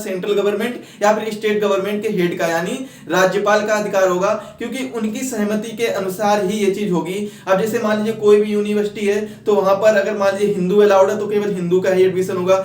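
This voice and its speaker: A male exam-prep teacher with a high-pitched voice gives an explanatory lecture to exam students, repeating and rephrasing points step by step and mixing English terms into his speech. The room is echoey and he sounds distant from the mic.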